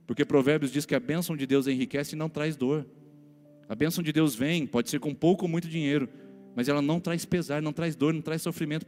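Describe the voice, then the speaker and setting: A Brazilian male pastor preaches a fast, emphatic sermon in a slightly high voice, often calling out to the congregation. His voice carries long reverb through a church hall. Faint music plays underneath. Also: a little mellow. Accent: Brazilian Portuguese.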